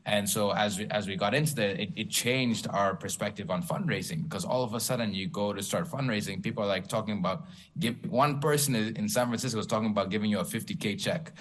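A man's voice: on the low side, fast talker. A young man, a tech founder on a panel, telling his story candidly with self-deprecating humor. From Tanzania. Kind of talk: panel talk.

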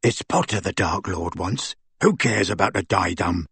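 A man plays a big, dim teenage bully from a fantasy storybook. He talks in rough grammar with surly defiance. The sound is close and dry. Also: low-pitched, expressive, moderate pace, no room sound, voice pushed down, full character voice. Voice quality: soft, dull-toned. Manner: ungrammatical, surly, belligerent. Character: huge thuggish slow-witted teenage boy wizard henchman, defiant.

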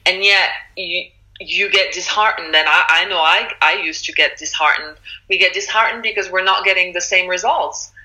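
A woman with a very bright, sharp voice talks earnestly as a guest in an interview. She is encouraging and lively, and her pitch often jumps up when she makes a point. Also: normal speed, low-quality recording. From Morocco. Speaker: author and guest. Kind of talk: casual conversational interview.

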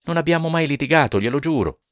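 A man's voice: on the high side, animated, quick pace, dry recording, clean studio sound, pitched above the performer's own voice, close to an everyday voice. A man voicing an anxious, pleading husband. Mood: agitated protest. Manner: earnest, raising his voice in protest. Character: anxious, pleading man defending his wife.

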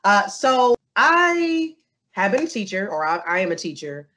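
A young adult woman answering interview questions in a casual, animated way, telling stories with asides to the listener. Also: medium pitch, a little slow. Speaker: interview guest.

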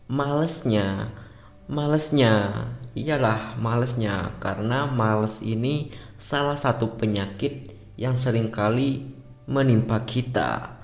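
A man's voice: mid-range voice, takes it slowly, creaky, long pauses. Chatty man with a Javanese accent. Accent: Javanese with Madurese touches. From Java. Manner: chatty, jokey, asks himself questions. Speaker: podcast host. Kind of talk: casual podcast monologue. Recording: roomy echo with faint music behind.

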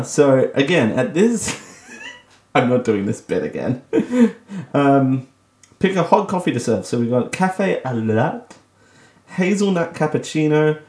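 This is an Australian man hosting a casual solo radio show. He chats loosely and mocks himself, and he laughs often. His pitch swings widely, and his voice carries an echo from the room. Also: a little mellow. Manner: chatty, self-mocking, laughs often. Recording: echoey room.

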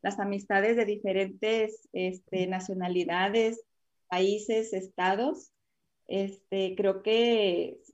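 A woman's voice: medium pitch, fairly even intonation, very slow, highs cut off. A woman hosting a casual panel chat, chatty and full of fillers and exclamations. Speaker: host.

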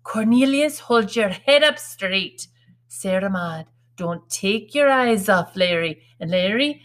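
A woman's voice: medium pitch, fairly bright tone, voice pushed up. A woman voicing a proud, fussing working-class mother who drills and scolds her children in folksy, ungrammatical speech in a storybook reading.

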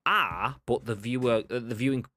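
A man's voice: medium pitch, moderate pace, dry recording. A man hosting a video game podcast in casual chat, reading viewer comments and mocking with swearing. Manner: animated, mocking, swears, acts out both sides.

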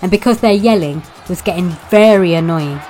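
A woman's voice: lowish voice, a little fast, a little mellow, soft background music, natural voice. A woman playing a wry, cheeky narrator in a scripted comic pantomime.

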